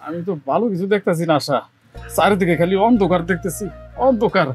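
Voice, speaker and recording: A man's voice: sits high, fast, slightly rough, faint music behind. A man playing an anxious poor village husband. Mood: despairing. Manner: worried, despairing. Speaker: village husband and elder brother. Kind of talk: television drama acting.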